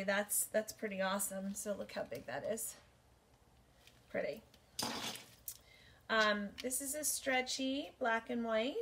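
Sorting jewelry in her bedroom, a vintage jewelry reseller in her forties talks through a casual show-and-tell haul video, thinking aloud and saying um a lot. Her voice is medium in pitch. The camera sits at desk distance indoors, and there's slight background noise.

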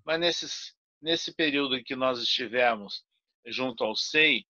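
An older man answering interview questions over a video call from his home study, speaking deliberately with frequent fillers and restarts. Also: mid-range voice, pushed and bright, dry recording. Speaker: guest speaker. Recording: dull lo-fi video call audio.

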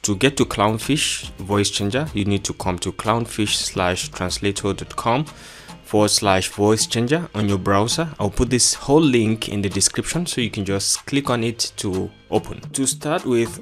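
A man giving an explanatory software tutorial as presenter, with formal, instructional phrasing. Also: fairly low pitch, normal speed. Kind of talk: explanatory screen-recording tutorial. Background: background music.

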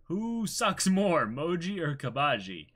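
Bright-voiced young man. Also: fairly high pitch, very animated, slow pace. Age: 20s. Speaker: streamer and co-host. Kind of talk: casual livestream chat. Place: small room, indoors.

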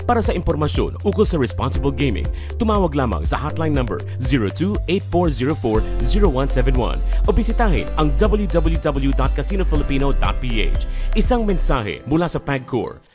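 Measured male voice reading an advisory. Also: a little high, sing-song, music in the background. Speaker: ad voice-over. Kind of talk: public service announcement.

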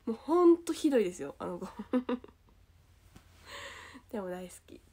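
A young woman with a Kansai accent chatting casually on a livestream, reading comments aloud, giggling often and sometimes dropping to a soft whisper. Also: medium pitch, sing-song, moderate pace, breathy edge. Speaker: idol livestream host.

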